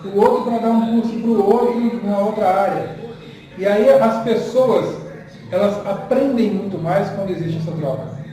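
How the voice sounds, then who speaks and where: A man's voice: sits high, dark tone. A man talking as a guest teacher in a casual conversation, earnest and encouraging. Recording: echoey room, distant mic, faint noise.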